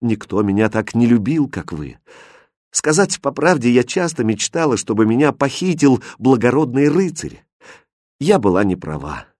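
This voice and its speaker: A man's voice: medium pitch, big pitch swings, moderate pace, a little mellow, no echo. Brief: male reader doing a proud young princess, swoops up and down, dry close sound. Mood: resolute. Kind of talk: audiobook character voicing.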